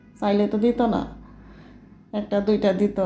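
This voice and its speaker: The woman's voice has a dark, mellow tone. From Bangladesh, Sunamganj (Sylhet region). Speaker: vlogger and housewife. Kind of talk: casual vlog talk.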